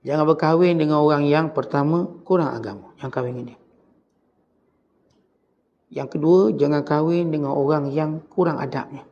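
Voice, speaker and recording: A man's voice: fairly high pitch, steady tone, moderate pace, vocal fry, long pauses, darkish tone, big-room sound, muffled recording. A man with a Malaysian Malay accent giving a conversational religious lecture, with joking asides. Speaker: religious teacher.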